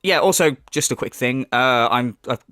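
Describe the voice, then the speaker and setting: A man's voice: mid-range voice, normal speed, a bit bright, clear, resonant tone, no echo, clean studio sound. A man hosting a commentary vlog in a sarcastic, mocking way, swearing and using many fillers, his voice a little off from a cold. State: slightly off voice from a cold. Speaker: commentary channel host.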